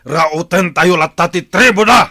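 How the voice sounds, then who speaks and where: A man with an Ilocano Filipino accent playing a commanding, hot-tempered tribal chief and stern father in a radio drama, with a rough, gravelly voice. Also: high-pitched, unhurried, bright, forceful tone, exaggerated voice. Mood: angry, alarmed. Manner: authoritative, barking orders.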